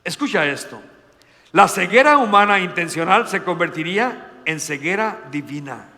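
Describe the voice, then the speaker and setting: A male pastor preaching a sermon, swinging between loud emphatic lines and hushed, slow ones. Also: sits high, expressive, big-room sound.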